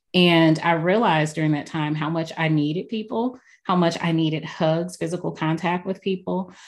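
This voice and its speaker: Over a quiet background, a woman with a plain, everyday voice speaks at a moderate pace in a fairly low pitch. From St. Louis, Missouri. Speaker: women's community founder and attorney. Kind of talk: interview conversation.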